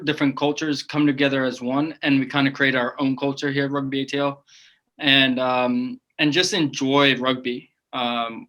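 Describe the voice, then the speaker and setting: A young man from South Africa, a native Afrikaans speaker, talking with a Southern accent and a slight Afrikaans edge, soft-spoken and measured. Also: medium pitch. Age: young adult. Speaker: rugby player.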